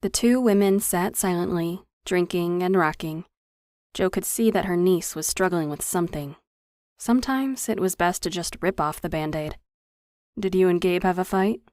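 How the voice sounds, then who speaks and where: A woman narrating a novel at a measured, even storytelling pace, her voice pitched on the low side. The recording sits close to the mic and is completely dry, with no room sound. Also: no echo. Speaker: audiobook narrator. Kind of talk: scripted narration.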